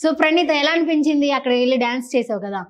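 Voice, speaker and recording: A woman's voice: high-pitched, animated, fast talker. A woman interviewing children in a casual, teasing and chatty way, holding a handheld mic. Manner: playful, teasing, chatty with kids.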